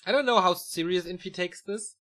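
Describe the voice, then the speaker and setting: A man casting a live esports match: fast, excitable play-by-play that climbs at big moments, and relaxed chat with viewers between games. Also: high voice. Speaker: esports caster. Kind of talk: live video game match commentary.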